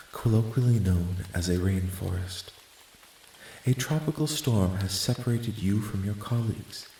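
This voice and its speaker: A man voicing a calm, curious, clinical alien researcher in a soft-spoken ASMR roleplay, with measured, formal, detached questioning. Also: lowish voice. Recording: roomy echo, light background noise.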